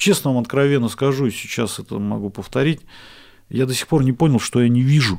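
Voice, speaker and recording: A man's medium-pitched, normal speaking voice at a fairly quick pace with ordinary pitch variation, on a very clean recording with a silent background. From central Russia, Kaluga. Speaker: war veteran. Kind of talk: interview.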